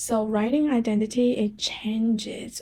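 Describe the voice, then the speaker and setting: With a Chinese accent, a woman speaks slowly-ish, at a fairly slow pace, in a fairly high pitch that is somewhat breathy and dark and mellow in tone, her intonation monotone and flat. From China. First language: Chinese dialect. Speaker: college writing instructor. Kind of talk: lecture. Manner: halting, many fillers.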